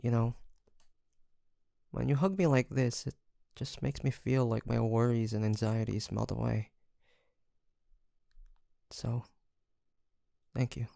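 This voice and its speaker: A man playing a weary, guarded but tender demon hunter in an intimate audio drama, speaking softly and haltingly. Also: mid-range voice, steady tone, creaky, no room sound, studio quality. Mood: tender, grateful. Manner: hesitant, halting, sighing, soft-spoken.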